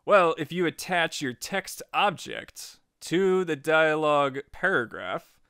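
A man narrating a software tutorial in a chatty, informal way, guiding step by step. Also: mid-range voice, clear, resonant tone, no room sound, studio quality. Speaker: tutorial host.

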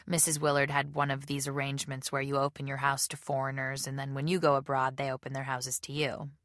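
A woman reading a novel aloud as a measured, subdued first-person audiobook narration. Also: extremely low pitch, monotone, a bit bright, no room sound, clean studio sound. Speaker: audiobook reader.

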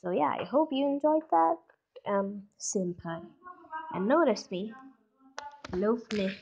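A woman's voice: medium pitch, lively intonation, takes it slowly, vocal fry, mellow, muffled recording. A young woman chatting casually and awkwardly, hesitant and self-conscious, as an amateur voice actor. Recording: faint background noise with clicks.

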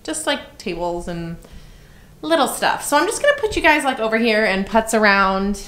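A woman's voice: on the high side, big pitch swings, moderate pace, a bit bright. A young woman, a teacher, talking casually to camera in her classroom, upbeat and frank though tired and pregnant. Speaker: teacher vlogger. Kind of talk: casual vlog chat.

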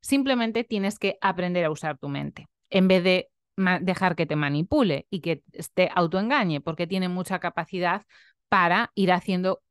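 Earnest, confessional woman with smooth voice. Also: on the low side, normal speed, dry recording, studio quality. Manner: earnest, confessional, many tag questions. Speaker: nutritionist and vlogger. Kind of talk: reflective personal vlog talk.

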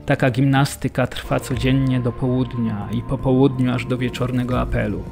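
A male actor plays a camp prisoner giving grim testimony in a radio play. His medium-pitched voice is full of fry. Music plays softly behind him. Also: fairly even intonation, moderate pace, lightly acted. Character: male camp prisoner describing punishing drills. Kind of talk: dramatised documentary narration of survivor testimony.

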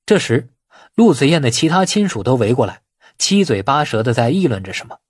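Male audiobook narrator, slightly husky. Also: mid-range voice, very animated, a little fast, no room sound, studio quality. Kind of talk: scripted novel narration.

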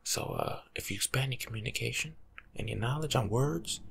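A young American man giving rambling, slangy ASMR life advice in a hushed, breathy voice, playful and animated, close to the mic in a room at home. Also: medium pitch, a little fast. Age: young adult. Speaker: ASMR video creator. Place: small indoor room at home.

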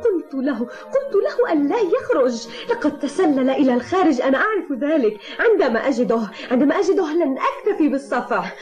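A woman's voice: sits high, sing-song, fast, hardly any pauses, darkish tone, highs cut off, soft background music. A woman playing an anxious, caring young woman in a cartoon dub. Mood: tearful, scolding.

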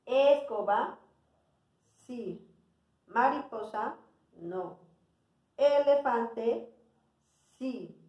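Slow, patient preschool teacher, roomy sound. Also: female voice, medium pitch, expressive, dull audio. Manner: patient, sounding out words and checking in with "¿sí?". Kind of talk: slow, clear lesson for young children. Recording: roomy sound from away from the mic.

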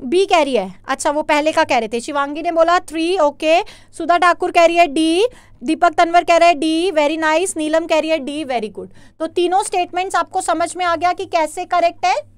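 A woman's voice: extremely high pitch, steady tone, moderate pace, no echo. A woman teaching a live online biology class. She reads students' answers aloud, praises them, and explains in Hindi with English terms.

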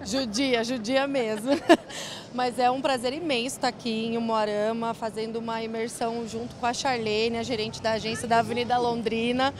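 A woman's voice: fairly high pitch, flat delivery, moderate pace, a crowd in the background. A young woman from São Paulo city, a bank branch manager answering interview questions cheerfully into a handheld mic in a large event hall. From São Paulo city, Brazil. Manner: cheerful, laughs easily. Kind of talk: casual interview chat. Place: large indoor event hall with rows of chairs.

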